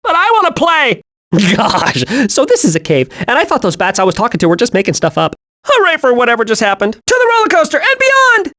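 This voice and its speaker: Hyperactive young male squirrel, game animation: very high, swooping, wide-eyed and childlike. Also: brisk, exaggerated voice. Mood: giddy, excitable. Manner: excitable, naive, wide-eyed. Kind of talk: animated video game voice acting.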